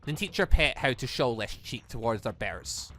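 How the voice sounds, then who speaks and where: A man's voice: medium pitch, lively intonation, normal speed, bright, forceful tone, faint music behind, voice pushed down. A man reading the visual novel lines of a menacing, contemptuous young male terrorist leader, terse and haughty. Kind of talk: reading visual novel game dialogue in character.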